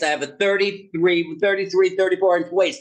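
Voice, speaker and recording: A man with a Brooklyn accent, high-pitched and animated, at a moderate pace. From Brooklyn, New York. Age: 60s. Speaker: physical therapist. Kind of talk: video call consultation. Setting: video call.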